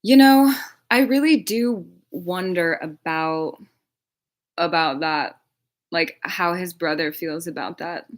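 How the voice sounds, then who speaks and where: Chatty woman on a livestream, lowish voice, rambly, says like a lot, swears casually. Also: slow pace. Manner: rambling, frequent filler words and casual swearing. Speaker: true crime creator.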